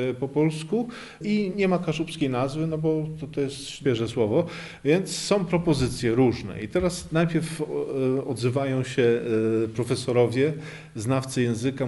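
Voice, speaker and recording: Guy from kashubia explaining language stuff, normal middle voice, lots of little uhs, keeps it lively. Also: medium pitch. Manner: lively explainer with frequent hesitation fillers. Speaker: poet and Kashubian language activist. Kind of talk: explanatory interview answer.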